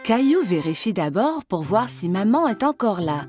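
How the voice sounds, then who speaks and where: A woman's voice: medium pitch, very animated, moderate pace, music in the background. A woman narrating a scripted story for children.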